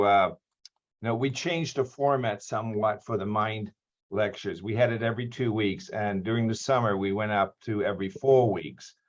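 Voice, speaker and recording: A man's voice: on the low side, lo-fi sound. A man from Australia hosting a lecture series, giving a formal introduction of a guest with frequent ums and restarts over a video call. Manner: hesitant, many ums and restarts.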